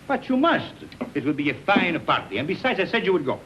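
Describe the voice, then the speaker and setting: An actor with an Italian accent playing a boisterous, drunken army officer who teases, laughs and mocks in theatrical 1930s film style. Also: male voice, high voice, very animated, a little fast, fairly bright tone. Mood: drunk teasing. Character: boisterous drunken male officer, teasing and swaggering. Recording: muffled old film soundtrack with hiss.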